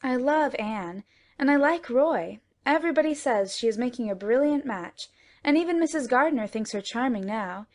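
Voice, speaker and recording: Frank, calm young woman, dry delivery, read by a woman. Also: on the high side, moderate pace, close to an everyday voice.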